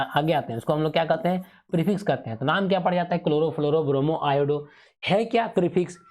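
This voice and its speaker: Speaking a little high, this male teacher leads an exam revision session aloud. He keeps raising questions, supplying the answers on his own, and going back over the key terms.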